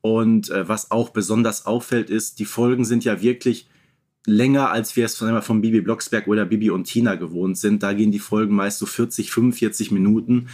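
A man's voice: lowish voice, steady tone, a little fast, darkish tone. A man co-hosting a casual podcast chat, explaining things and seeking agreement with little tag questions. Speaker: podcast co-host. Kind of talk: casual chat reviewing children's audio dramas.

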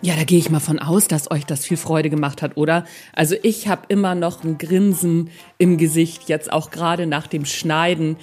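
A woman's voice: low voice, steady tone, normal speed, few pauses, darkish tone, soft background music. A woman hosting a podcast, chatting informally and speaking directly to her guest and listeners. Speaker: podcast host and interviewer. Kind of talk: casual conversational interview and podcast outro.

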